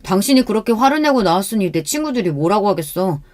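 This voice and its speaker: A woman's voice: mid-range voice, big pitch swings, fast talker, a little mellow, natural voice. A spineless young husband who snaps back at his wife in a whiny, defensive way, as a woman reads him out. The voice stays close to an everyday speaking voice and fits a storybook-style radio tale. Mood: irritated.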